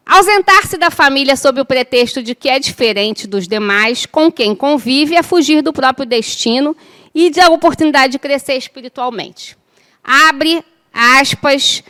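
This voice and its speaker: High-pitched, chatty woman teaching. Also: a bit bright, clear, resonant tone. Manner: chatty, joking asides, many tag questions. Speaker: spiritist course teacher. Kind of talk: informal lecture to a class.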